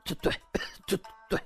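A man playing an uneasy older male party official in an audiobook, hesitant and officious. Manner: hesitant, officious, throat-clearing.

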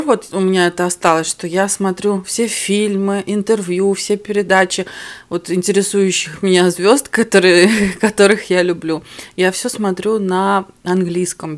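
A young woman whose first language is not Russian, chatting candidly to camera between bites in her living room. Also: medium pitch. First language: other than Russian. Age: young adult. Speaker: mukbang vlogger. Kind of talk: casual chat to camera while eating. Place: living room at home, indoors. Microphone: camera on the table in front of her.

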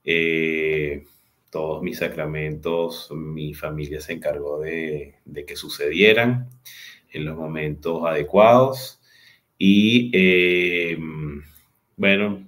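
A man in his forties with a Venezuelan accent, telling his life story as a guest on a video call, unhurried and full of hesitant fillers. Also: low voice, a bit bright. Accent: Venezuelan Spanish. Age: 40s. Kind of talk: personal storytelling in an interview. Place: home room with a large window. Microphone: video call webcam.

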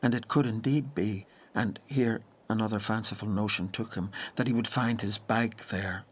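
Low-voiced, grave male narrator. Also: steady tone, breathy edge. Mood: hushed wonder. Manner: measured, intense, dramatic pauses, dropping to hushed phrases. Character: grave narrator haunted by a wild lake memory. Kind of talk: literary audio drama narration.

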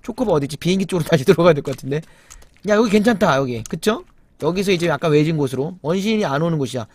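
Young male game streamer, high and very animated, easily spooked, talks to his chat, light background hiss. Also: very fast, slightly rough. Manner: jumpy, exclaims loudly when startled, then mutters low; chats with viewers and reads the chat. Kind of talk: live game commentary.

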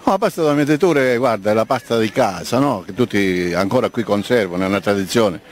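A man's voice: on the low side, animated, quick pace. A man explaining local tradition casually, often posing questions and then answering them.

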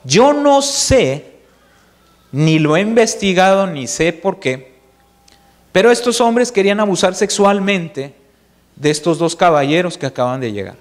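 A man's voice: high voice, sing-song, a little slow. A man preaching a sermon, retelling a Bible story and acting out its dialogue in quoted voices. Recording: long hall reverb.

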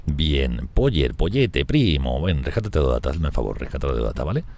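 A man commenting on a strategy game he is playing, talking fast and excitably, swearing and laughing often. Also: very deep voice, a little hiss or hum. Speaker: gameplay streamer.

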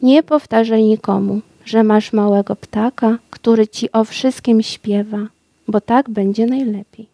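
A woman voicing a small, wise and kind male nightingale in a storybook reading, speaking softly and tenderly. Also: on the high side, fairly even intonation, unhurried, vocal fry, dry recording.

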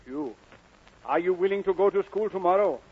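A proud working-class Welsh father from an old film drama. He is high-pitched, commanding and lilting, on a dull vintage soundtrack. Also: moderate pace, slightly rough. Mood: firm.

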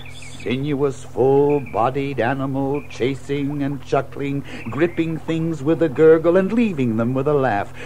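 A man narrating a children's story in an expressive, theatrical scripted style, savoring lists and alliteration. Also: medium pitch, noisy background.

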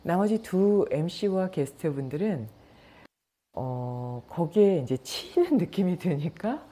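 A middle-aged woman, a yoga and meditation teacher, talking casually and calmly, telling stories and acting out what people said. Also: lowish voice, a little slow, breathy edge. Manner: anecdotal, calm, with acted-out quotes. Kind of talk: casual talk to viewers.

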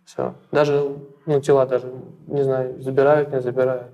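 A young man from Russia answering interview questions in a small plain room, halting and repeating words with many fillers. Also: medium pitch, little pitch movement, dark tone, dull audio. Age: young adult.

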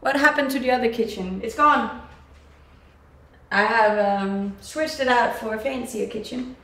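A woman's voice: a little high, a little slow, creaky, bright, forceful tone. A young woman with a Danish accent, chatting casually on a livestream and answering viewer comments, laughing often. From Denmark. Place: home kitchen, indoors. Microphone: webcam at desk distance. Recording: echoey kitchen with faint background hum.

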